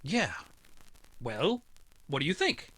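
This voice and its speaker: An actor playing an insistent, lovesick rich client in an old-style noir radio drama, pleading and emphatic. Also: male voice, on the high side, sing-song, takes it slowly, sharp tone, slightly rough, full character voice. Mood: eager, excited. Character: desperate, lovesick self-made rich male client.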